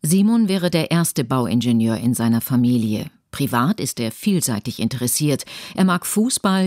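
A woman narrating a radio feature in an even, clear storytelling read. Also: deep voice, dry recording, clean studio sound. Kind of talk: scripted narration.

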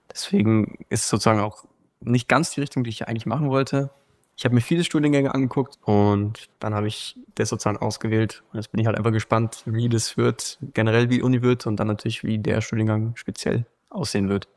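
A nineteen-year-old man talking casually in an interview, relaxed and searching for words. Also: mid-range voice, dry recording. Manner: relaxed, searching, many fillers. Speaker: interviewee, new student.

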